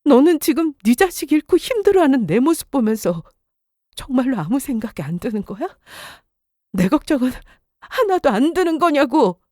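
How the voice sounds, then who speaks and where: A woman's voice: sits high, sing-song, normal speed, mellow, no room sound, clean studio sound. A woman playing a young wife who has just lost her pregnancy, emotional and indignant in a radio drama. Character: grieving young wife after miscarriage.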